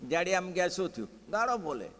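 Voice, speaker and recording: Man, devotional storyteller, fairly high voice, long hall reverb. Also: quick pace. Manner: lively, acts out characters' voices. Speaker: religious storyteller.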